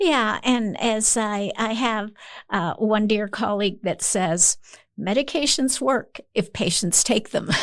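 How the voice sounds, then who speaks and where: Speaking very slowly with an American accent, a woman uses a fairly high pitch and ordinary pitch variation on a very clean recording with a silent background. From Texas. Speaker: retired pharmacy professor. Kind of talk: podcast interview. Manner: measured, with frequent fillers.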